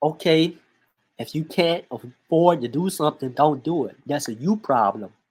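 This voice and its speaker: A man in a New Orleans accent, music playing in the background. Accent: West Bank New Orleans. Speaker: reaction video commentator. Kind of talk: casual commentary. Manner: halting.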